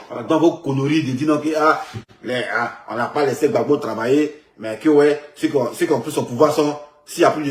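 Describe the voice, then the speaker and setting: An Ivorian man speaks in a fairly high voice, with clear room echo around him. He argues in a casual street style, hammering phrases again and again in a mocking, emphatic manner, like someone in a heated political rant.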